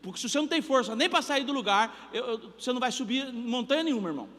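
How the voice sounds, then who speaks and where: A man's voice: extremely high pitch, expressive, quick pace, fairly bright tone. A male pastor preaching with emphatic, joking storytelling to his congregation. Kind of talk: sermon. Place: large church sanctuary. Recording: reverberant church hall.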